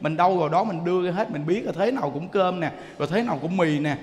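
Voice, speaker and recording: A man's voice: sits high, quick pace, long reverb tail. A man with a Southern Vietnamese accent giving a Buddhist dharma talk as a monk, telling stories with jokes and speaking straight to his audience. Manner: lively, joking storyteller addressing the audience. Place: temple lecture hall.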